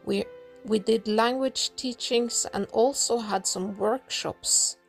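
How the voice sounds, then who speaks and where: A woman from Norway speaking English with a Norwegian accent, giving an earnest, measured prepared talk as a council member. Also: a little high, gravelly, faint music behind, rough recording. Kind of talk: prepared talk, read aloud.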